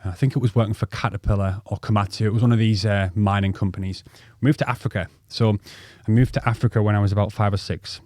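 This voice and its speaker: A man in his thirties from North East England, with a North East accent, co-hosts a podcast, rambling through life stories with swearing, ums and restarts. His lowish, darkish voice is fairly even and fast, with hardly any pauses, in a dry, studio-quality recording.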